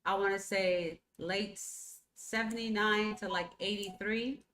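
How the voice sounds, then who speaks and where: Bright-voiced chatty New York woman. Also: medium pitch, fairly even intonation, a little hiss or hum. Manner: chatty, quick to chime in. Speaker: podcast co-host. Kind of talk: casual interview chat.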